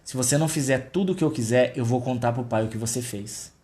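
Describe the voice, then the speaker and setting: A man's voice: mid-range voice, fast, darkish tone, pitched below the performer's own voice, natural voice. A man voicing a spiteful young sister who threatens her brother in a story told during a sermon. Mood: threatening.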